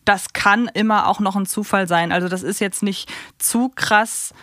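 A woman's voice: mid-range voice, fairly even intonation, moderate pace, fairly bright tone, dry recording, studio quality. A woman co-hosting a podcast in a casual, conversational discussion style. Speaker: podcast co-host.

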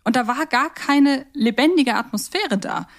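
A woman co-hosts a casual podcast about audio dramas, chatting in a reflective, questioning manner. Her voice is high with lively intonation, and she speaks unhurriedly.

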